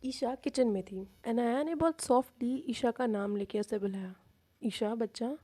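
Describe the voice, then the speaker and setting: A woman's voice: a little high, normal speed, mellow. A woman narrating a love story in a casual, chatty way.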